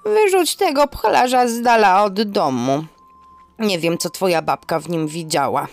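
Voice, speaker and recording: A woman voicing a grumbling, folksy elderly aunt in an audio drama, scolding yet affectionate, with exclamatory, drawn-out speech. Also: medium pitch, animated, no room sound, soft background music, pitched above the performer's own voice. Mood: grumbling, disgusted.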